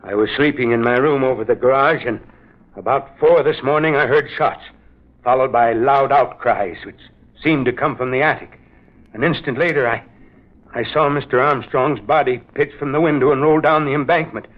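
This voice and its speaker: An actor playing a suspicious gardener and witness, insistent and indignant, in old-time radio drama style. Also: male voice, mid-range voice, moderate pace, natural voice. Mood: grave, dramatic. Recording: muffled vintage radio recording.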